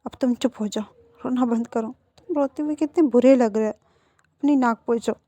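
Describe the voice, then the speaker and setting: A woman doing a gentle, scolding aunt. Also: a little high, normal speed, no room sound, lightly acted. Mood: comforting. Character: caring aunt, comforting and firm.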